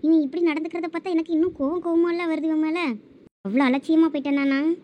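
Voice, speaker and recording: A scheming, jealous former lover, voiced by a woman, plots in sly asides in a Thoothukudi Tamil accent. The voice sits high and runs quick, with a dull lo-fi sound. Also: fairly even intonation. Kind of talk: cartoon voice acting.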